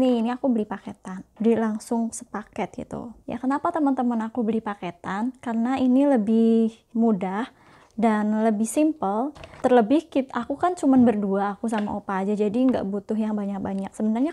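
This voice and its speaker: A dark, mellow voice speaks at a fairly quick pace with ordinary pitch variation. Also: woman. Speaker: vlogger. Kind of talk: casual vlog chat. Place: home room. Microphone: lapel.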